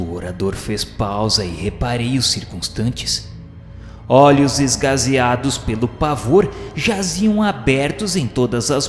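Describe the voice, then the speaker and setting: A man playing a witness who narrates a spirit-world journey in a radio drama, in a formal, grave, literary way. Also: mid-range voice. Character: male witness narrating his journey through the spirit underworld. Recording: echoey long reverb, faint music. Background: faint music.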